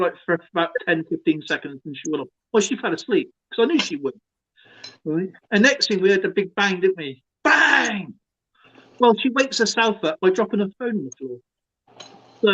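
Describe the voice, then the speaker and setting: A man's voice: high voice, a bit bright, slightly rough. An English man co-hosting a live stream in casual chat, joking and laughing often as he tells stories. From England. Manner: laughs a lot, jokey storytelling. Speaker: stream co-host. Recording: dull lo-fi stream audio.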